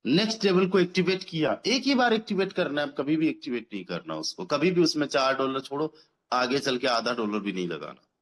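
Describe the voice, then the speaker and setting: A man in his thirties giving a motivational business pitch as a team leader, persuasive, repeating phrases for emphasis and mixing English words into his speech. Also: lively intonation, a little fast. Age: 30s. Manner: mixes English words into Hindi. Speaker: network marketing team leader.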